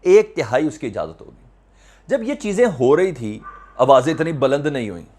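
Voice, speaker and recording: His medium-pitched, slightly mellow voice swings widely in pitch at a normal speed. The Pakistani-accented man hosts a news commentary video channel, offering emphatic current affairs takes peppered with repeated phrases, rhetorical questions, and English words.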